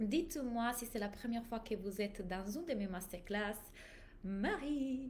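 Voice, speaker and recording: Audible room echo surrounds a somewhat breathy woman with an Italian accent, who speaks at a fairly slow pace and a fairly high pitch. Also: ordinary pitch variation. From Italy. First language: Italian (speaking French). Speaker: business coach. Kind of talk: live webinar masterclass. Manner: animated.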